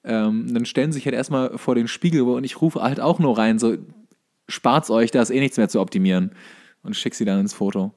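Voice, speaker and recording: A man talks as a podcast co-host. His pitch sits in the middle range for a man. He chats informally, letting his stories ramble loosely. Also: a little fast, a little mellow. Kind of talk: casual chat.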